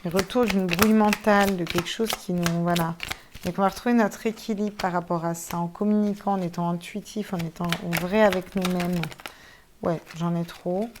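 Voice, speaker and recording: A woman's voice: fairly low pitch, fairly even intonation, a little fast, background noise. A woman giving a casual tarot reading to viewers, chatty and thinking aloud, with some casual swearing. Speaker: tarot card reader.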